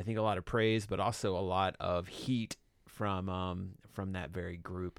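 In a very clean recording with a silent background, a man with a fairly low pitch and an American accent speaks in a normal speaking voice. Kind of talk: casual conversational discussion. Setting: studio.

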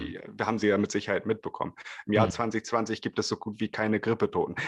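Against a quiet background, a man talks at a very fast pace with a fairly low pitch, the sound dry and close with no echo. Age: 20s. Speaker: trainee bookseller. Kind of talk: casual interview.

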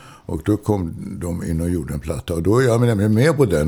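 Lively intonation carries speech delivered at a very fast pace. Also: man. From Stockholm, Sweden. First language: English (speaking Swedish). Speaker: retired musician. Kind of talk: casual chat.

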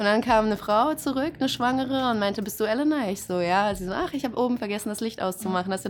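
A woman speaks at a very fast pace in a very clean recording with a silent background. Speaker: best friend of host, sex worker. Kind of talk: casual chat.

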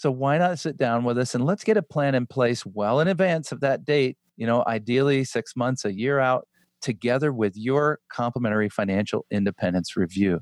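A man with a plain, everyday voice speaks at a moderate pace and medium pitch, his intonation lively. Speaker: financial advisor and radio host. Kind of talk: radio talk show discussion on retirement. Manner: warm, upbeat, explanatory.

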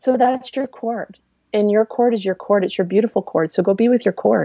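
A woman's fairly high voice has a dark, mellow tone and a dry, close sound with no echo. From Vancouver, Canada. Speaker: empowerment coach and speaker. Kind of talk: casual interview chat.

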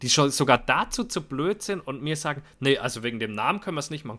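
In a very clean recording with a silent background, a man talks at a fairly quick pace. His voice is fairly high-pitched, with an animated tone and lively intonation. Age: 30s. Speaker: podcast co-host, hunter. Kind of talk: casual chat.

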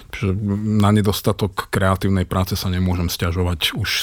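Very deep and low, a man's voice comes through at a moderate pace with monotone, flat intonation. The recording is very clean, with a silent background. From Slovakia, Košice. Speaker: political commentator and writer. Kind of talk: interview.

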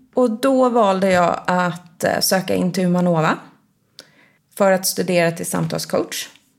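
In a plain, everyday voice, a woman of medium pitch talks at a fairly slow pace with ordinary pitch variation. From Stockholm southern suburb. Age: 40s. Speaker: podcast co-host, life coach. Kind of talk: casual chat.

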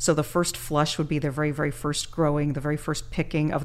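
With an American accent, a woman talks at a moderate pace. Her pitch is very deep and low. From northern US. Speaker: tea business owner. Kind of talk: casual interview. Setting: studio.

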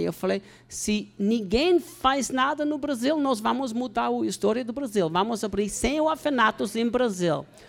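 This man talks at a fairly slow pace with a German accent. His pitch swings very widely. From Austria. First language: German (speaking Portuguese). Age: 50s. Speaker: preacher. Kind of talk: testimony. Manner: halting.

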